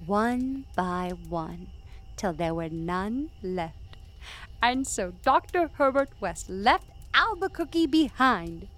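A woman narrating an audio drama tale in a measured, wistful way. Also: fairly high pitch. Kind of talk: storybook narration.

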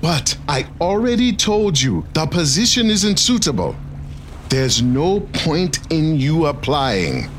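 A fussy, stern skipper played by an actor in an audio drama. The delivery is formal and slow with animated pitch, over faint boat noise. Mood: stern, measured. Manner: formal, clipped, indignant.

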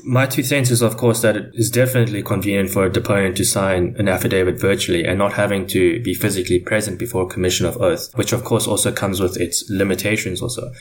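A man's voice: deep voice, fairly even intonation, fast, hardly any pauses, a little hiss or hum. A man giving formal, wordy explanations as a panelist in a semi-scripted legal discussion.

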